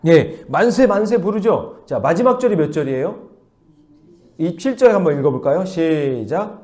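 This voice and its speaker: A man's voice: on the high side, animated, moderate pace, darkish tone. A male pastor giving an early-morning sermon, asking the congregation questions as he preaches.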